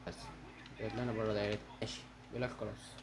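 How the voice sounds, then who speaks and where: Fast-talking Egyptian man gaming. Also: on the low side, noisy background. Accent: Egyptian Arabic. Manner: fast, excitable, talks to viewers. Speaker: gaming channel host. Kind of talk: gameplay commentary.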